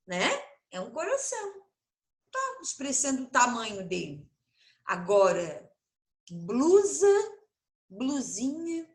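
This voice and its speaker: Animated high-voiced Brazilian woman teacher. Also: roomy sound. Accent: Brazilian Portuguese. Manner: animated, drawn-out sing-song word stretching; playful, addresses pupils affectionately. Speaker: primary school teacher. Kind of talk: online class for young children. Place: home, room with echo.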